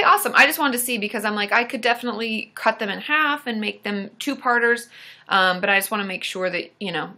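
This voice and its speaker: A woman's voice: a little high, pushed and bright. A young adult woman therapist hosting a casual live-stream Q&A, chatty and reassuring, with many fillers and restarts.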